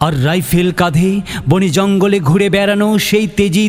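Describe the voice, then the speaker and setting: A man's voice against noticeable background noise. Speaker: voice artist. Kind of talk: poetry reading.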